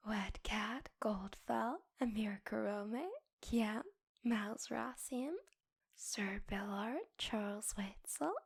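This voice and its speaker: A woman speaking quietly in a half-whisper, reading out in a soft ASMR style as a content creator. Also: mid-range voice, breathy edge. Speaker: content creator thanking patrons. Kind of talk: soft-spoken ASMR name read-out.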